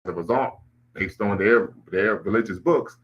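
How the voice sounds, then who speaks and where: Deep-voiced man lecturing on a livestream. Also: moderate pace, highs cut off. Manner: lecturing, cites history and sources, frequent restarts. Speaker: livestream host. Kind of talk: casual live discussion.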